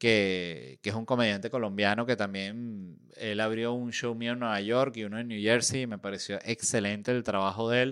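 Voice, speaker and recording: With an unremarkable speaking voice, a man speaks at medium pitch and a moderate pace, his intonation fairly even and hardly any pauses, in a very clean recording with a silent background. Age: 30s. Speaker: podcast host; comedian. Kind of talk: casual monologue.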